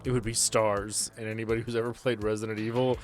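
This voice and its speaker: A man's voice: fairly low pitch, level tone, fast talker, over music. A man running a tabletop roleplaying game, narrating in a casual, joking, conversational way. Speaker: game master.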